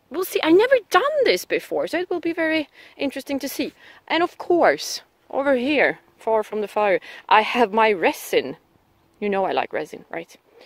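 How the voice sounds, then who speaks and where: In a dry, close recording with no echo, a woman with a Swedish accent speaks at a moderate pace in a high pitch with very wide pitch swings. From Sweden. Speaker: outdoor vlogger. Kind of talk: casual tutorial vlog.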